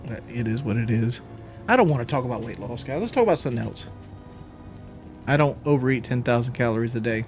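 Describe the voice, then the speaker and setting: A man's voice: medium pitch, fast. Man, live-stream chat, out of breath, restarts and swears, home setup, faint background music. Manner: rambling, repeats words, swears casually. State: out of breath after a workout.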